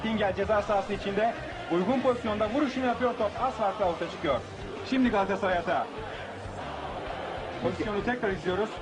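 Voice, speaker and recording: A man calling a football match live on television in an excited, raised voice, with urgent short phrases. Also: sits high, fast, long pauses. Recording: noisy old match broadcast with outdoor ambience.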